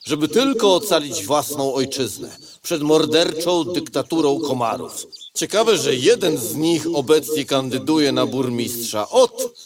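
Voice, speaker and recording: An actor voicing a pompous, speechifying retired cavalry captain beetle who is running for mayor in a cartoon. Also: male voice, fairly high pitch, big pitch swings, a little slow, a crowd in the background. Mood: solemn. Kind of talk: cartoon voice acting.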